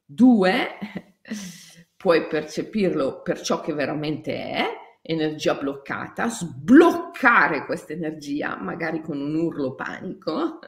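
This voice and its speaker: A woman teaching shamanic yoga in a spiritual talk, emphatic and repetitive, laughing softly between phrases. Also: sits low, animated, slow pace, creaky. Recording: echoey room.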